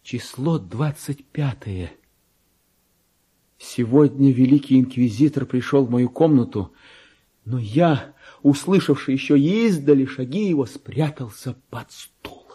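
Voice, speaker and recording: An actor in a radio play voicing a deluded, tormented clerk who believes he is king, theatrical and volatile, with a husky voice. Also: medium pitch, lively intonation, a little slow. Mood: agitated, sly. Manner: theatrical, volatile, swinging from hushed muttering to anguished outcry. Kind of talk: dramatic radio monologue reading of classic literature.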